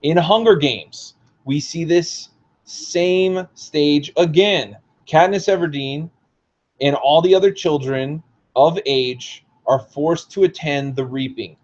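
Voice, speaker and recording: A hoarse man, the book's author, reads passages aloud from his own book and explains them with casual asides. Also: on the high side, slow pace, darkish tone, lo-fi sound.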